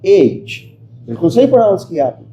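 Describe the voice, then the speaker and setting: A male teacher with a slightly higher voice runs an interactive pronunciation lesson. He sounds out single letters with emphasis and keeps quizzing his listener. The sound is echoey with a steady hiss of background noise. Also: unhurried.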